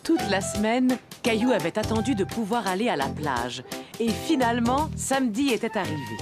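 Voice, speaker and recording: A woman's voice: medium pitch, sing-song, normal speed, natural voice. A woman voicing a kindly storyteller who narrates a small child's day in a children's cartoon, in a scripted storybook style. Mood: kindly, storytelling. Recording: loud music behind narration.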